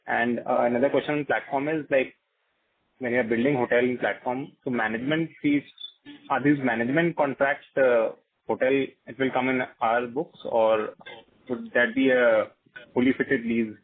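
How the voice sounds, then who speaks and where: A man with an Indian accent, an analyst putting halting questions on an earnings call. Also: medium pitch, steady tone. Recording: narrow, tinny phone line.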